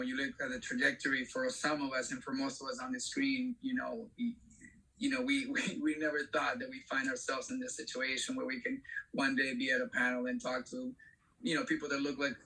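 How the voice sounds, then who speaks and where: Guy from venezuela on a panel, lots of ums, bright husky voice. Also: mid-range voice, animated, low-quality recording. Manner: halting, many fillers. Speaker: actor panel guest. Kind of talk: panel discussion.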